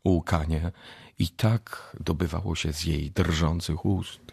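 A man narrating a radio drama as an expressive, scripted storyteller. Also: low voice, slow pace, vocal fry, slightly rough, no echo.

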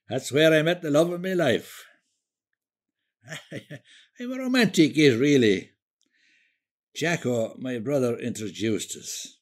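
An actor playing a romantic older Irish husband in a radio drama, reminiscing tenderly and wistfully in an Irish accent, sometimes halting and repeating words. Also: male voice, medium pitch. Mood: fond, amused.

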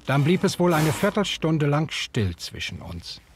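A man's voice: fairly high pitch, big pitch swings, a little hiss or hum. Man narrating a radio play in first person. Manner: measured, reflective storytelling.

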